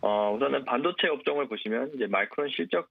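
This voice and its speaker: Gravelly man on a tinny phone line. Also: medium pitch, fast talker, dry recording. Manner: hesitant, frequent "uh" fillers. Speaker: stock market analyst guest. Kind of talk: market commentary.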